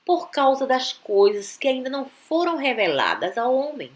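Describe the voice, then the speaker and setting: A woman giving a calm, deliberate reading of a spiritual text, with long pauses between phrases. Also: sits high. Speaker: reader of spiritual teachings.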